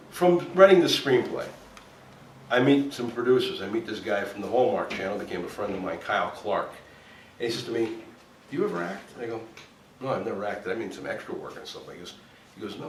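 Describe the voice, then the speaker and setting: A man who is a former cop turned actor, from New Jersey, telling stories in a casual chat and acting out what people said. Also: lowish voice. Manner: animated storyteller acting out quotes. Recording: echoey room, voice a bit far from the mic, faint background noise.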